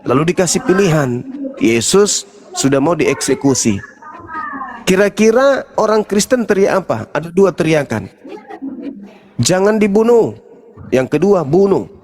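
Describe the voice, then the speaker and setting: A male preacher giving a sermon in an animated, mocking way. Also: on the high side, moderate pace. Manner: animated and mocking, acts out crowd chants.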